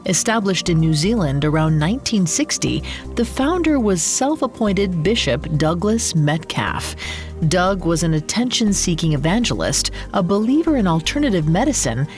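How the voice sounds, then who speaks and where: Expressive, low-voiced female true-crime narrator. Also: moderate pace, faint music behind. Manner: expressive storytelling. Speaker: podcast co-host.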